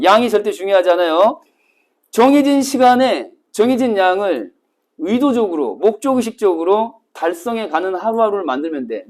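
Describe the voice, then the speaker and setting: A man teaching a cram school Korean class, telling stories vividly and acting out scenes with sudden shouts. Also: high-pitched. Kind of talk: classroom lecture to exam retakers.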